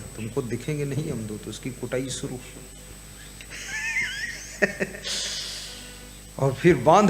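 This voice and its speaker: Slow-paced storytelling male preacher. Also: medium pitch. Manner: storytelling, chuckling, chants couplets. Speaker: spiritual preacher. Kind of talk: devotional sermon with storytelling. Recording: roomy hall with music behind.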